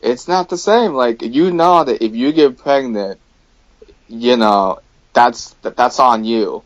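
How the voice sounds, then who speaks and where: An American man, a guest in a casual conversation, speaks slowly in a medium-pitched voice. He hesitates, uses many fillers, and gives blunt opinions. The recording is dull, dry, and lo-fi, with no room sound.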